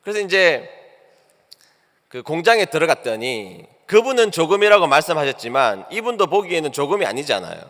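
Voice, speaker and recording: A man's voice: a little high, big pitch swings, brisk, a bit bright. A male pastor preaching a sermon, telling a personal story and acting out both sides of a phone call. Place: church sanctuary. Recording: long church hall reverb.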